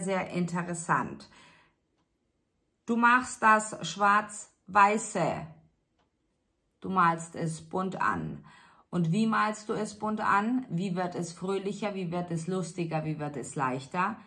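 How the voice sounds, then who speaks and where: Slow, bright-voiced woman reading tarot. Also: lowish voice, animated. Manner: slow, soothing, addresses listener directly. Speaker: tarot reader. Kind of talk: spiritual tarot reading monologue.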